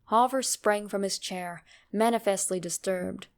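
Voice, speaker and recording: A woman narrating classic horror as a storyteller, in a theatrical, deliberate scripted style. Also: medium pitch. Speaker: storyteller, channel host.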